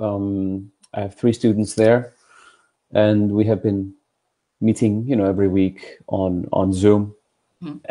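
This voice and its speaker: The voice has a dark, mellow tone and a fairly slow pace. The background is quiet. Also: man. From Iceland. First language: Icelandic. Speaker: orchestral flautist; interviewee. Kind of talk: interview. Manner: halting. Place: home room. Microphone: earbuds.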